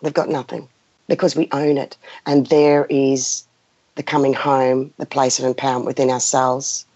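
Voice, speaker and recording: Hosting a live spiritual session, a Greek-background woman in her fifties speaks in an extremely low, dark voice with a level tone at normal speed. She talks passionately and without a script, emphatic and repetitive as she guides her audience. Everything sounds muffled and roomy, typical lo-fi.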